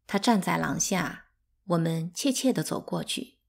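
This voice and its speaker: A woman narrating a novel as a calm bedtime audiobook, in an even, unhurried way. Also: fairly low pitch, vocal fry. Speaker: audiobook reader.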